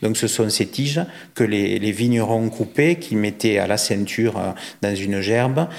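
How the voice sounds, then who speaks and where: A man with a fairly low pitch speaks at a fairly slow pace, using ordinary pitch variation. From France, Aveyron (Rodez). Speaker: knife-making entrepreneur. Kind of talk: interview. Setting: on location in a village. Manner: hesitant, many fillers and repetitions.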